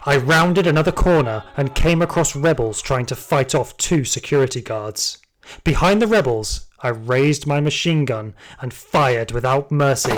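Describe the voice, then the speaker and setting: A man playing a hardened, trigger-happy security guard, telling his story in dramatic first-person audio drama narration. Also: mid-range voice.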